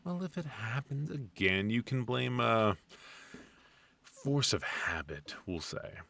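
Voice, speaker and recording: A man playing a smug, fussy retired supervillain husband in an intimate comedic ASMR roleplay, with a husky, mock-sinister delivery. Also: medium pitch, expressive, slow pace, a bit bright, exaggerated voice. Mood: teasing, exasperated.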